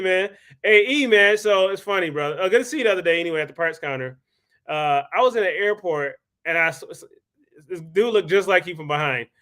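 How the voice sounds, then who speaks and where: A man's voice: on the high side, fairly bright tone. Chatty man hosting a live stream. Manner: loose and chatty, greets viewers by name. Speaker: host. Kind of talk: casual live-stream chat.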